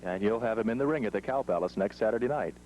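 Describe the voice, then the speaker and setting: A man's voice: fairly low pitch, fast talker, a little mellow, poor audio. A man working as a wrestling interviewer in a broadcast interview on an old TV tape. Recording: old TV tape, faint hum.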